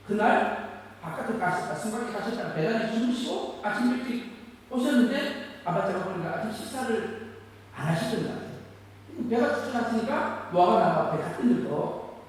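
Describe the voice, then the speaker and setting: A man's voice: sits high, unhurried, pauses often. A man preaching a sermon as pastor, telling stories and firing rhetorical questions at the congregation. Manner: animated storytelling with rhetorical questions. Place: large church sanctuary. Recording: echoey church hall.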